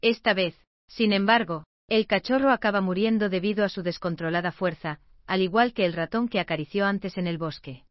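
A woman reading a book summary as scripted narration, in an even, measured way. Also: mid-range voice, no room sound, dull audio.

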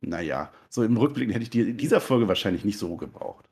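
Low-voiced guy, fast and bouncy, jokey podcast cohost. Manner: joking, quick and animated. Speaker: podcast co-host. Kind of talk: casual chat.

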